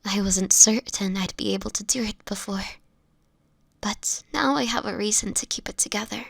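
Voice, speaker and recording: A woman playing a sickly, gentle, anguished vampire in an intimate audio roleplay, speaking in a breathy, often whispered voice with tender, halting, formal phrasing. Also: mid-range voice, dry recording. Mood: anguished, dreading. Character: sickly homeless young female vampire, gentle, anguished, self-sacrificing.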